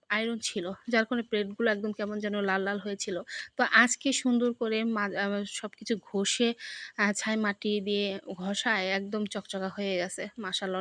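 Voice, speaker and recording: A woman's voice: medium pitch, little pitch movement, fairly quick, fairly bright tone, no echo. A young woman from Bangladesh with a Sirajganj Bengali accent, telling rambling, chatty stories in a casual village vlog voice-over. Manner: chatty, rambling storytelling with fillers. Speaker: village vlogger.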